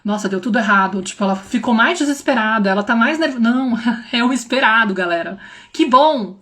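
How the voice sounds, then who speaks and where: A young woman with a high, bright-toned voice gives a casual livestream talk as a parenting mentor. Her São slips in often, and she talks straight to her viewers with lively, animated delivery. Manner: animated, addresses viewers directly, acts out quoted voices.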